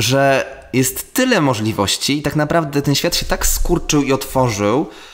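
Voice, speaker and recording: A man with vocal fry talks at a fairly high pitch and a fairly slow pace, with very wide pitch swings. The recording is very clean, with a silent background. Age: 30s. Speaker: language teacher. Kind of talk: casual interview conversation. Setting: language school.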